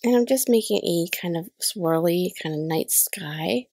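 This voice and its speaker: Chatty woman with a cold, gravelly voice. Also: lowish voice, measured pace, darkish tone, dry recording, studio quality. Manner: chatty, self-deprecating about mistakes. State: has a cold, slightly nasal. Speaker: card-making channel host. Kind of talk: casual crafting voice-over tutorial. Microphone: voice-over recorded separately.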